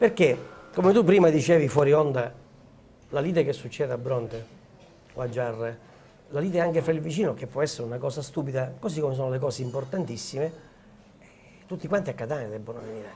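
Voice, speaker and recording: Over light background noise, a man with a fairly high, somewhat breathy voice and a dark, mellow tone speaks very fast with lively intonation, yet takes long, frequent pauses. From Sicily. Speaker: veteran lawyer. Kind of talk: casual interview. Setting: TV studio. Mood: critical, earnest. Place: office. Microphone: lapel.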